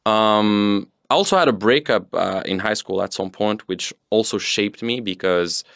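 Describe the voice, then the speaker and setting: A young man from Tunisia, telling his story as a guest in a relaxed, rambling way. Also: lowish voice, measured pace, creaky, no echo, clean studio sound. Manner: relaxed, rambling with fillers and restarts. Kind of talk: casual interview storytelling.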